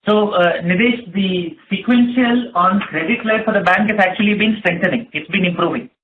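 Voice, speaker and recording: A man giving measured, explanatory answers as a company executive on an earnings call. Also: sits high. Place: conference call. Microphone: telephone. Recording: tinny phone line with noise and clicks.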